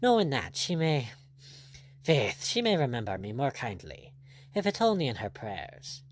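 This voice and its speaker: A man's voice: mid-range voice, sing-song, moderate pace, a little hiss or hum, natural voice. A man voicing a gallant, ironic pirate captain in an audiobook, teasing and courtly in manner. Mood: earnest, wistful.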